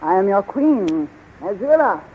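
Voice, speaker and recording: A woman's voice: mid-range voice, very animated, unhurried. A woman playing an imperious, seductive and scheming sorceress queen with a commanding, theatrical delivery in a 1930s radio serial. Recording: muffled, noisy 1930s radio recording.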